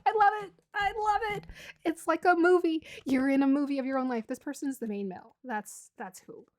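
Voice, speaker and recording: A woman doing a casual tarot reading to camera, chatty and bubbly, laughing often and a little hoarse from losing her voice. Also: sits high, brisk, a little mellow, no echo. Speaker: tarot reader.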